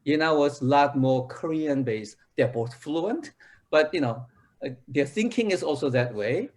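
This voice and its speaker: A man's voice: on the high side, expressive, normal speed, darkish tone. A man, an actor in a casual interview, who explains things at length in a thoughtful way.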